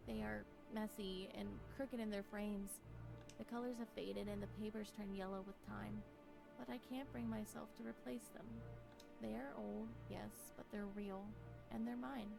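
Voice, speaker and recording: An actress playing a weary, anxious wife in a visual novel, speaking a wistful, melancholy inner monologue. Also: female voice, mid-range voice, vocal fry. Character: weary, anxious wife clinging to a broken relationship. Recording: music behind the voice. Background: music.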